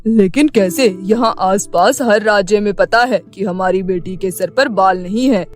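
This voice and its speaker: A woman's voice: medium pitch, measured pace, close to an everyday voice. A woman voicing a stern, middle-aged king in a cartoon story, with an admonishing manner. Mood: doubtful. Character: stern middle-aged king worried about public opinion. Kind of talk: Hindi cartoon story dubbing. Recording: music bed behind the voice.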